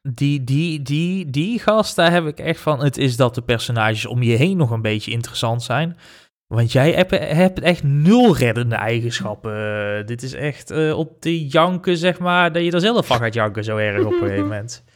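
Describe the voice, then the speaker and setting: A man's voice: medium pitch, expressive, normal speed. A man co-hosting a casual podcast chat, rambling and hesitant, with many fillers. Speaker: podcast co-host.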